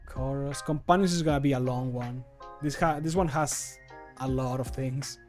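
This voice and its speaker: A man's voice: mid-range voice, steady tone, moderate pace, darkish tone, soft background music. A man in his thirties chatting casually on a livestream while he works, muttering and poking fun at himself. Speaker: streamer and amateur voice actor. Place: small home room, indoors.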